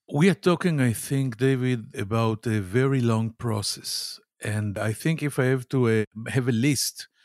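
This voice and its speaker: In a very clean recording with a silent background and a dry, close sound with no echo, a man with an Israeli accent speaks at a medium pitch and moderate pace with ordinary pitch variation. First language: Hebrew. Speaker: Israeli political analyst. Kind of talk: interview discussion. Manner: halting, searching for words.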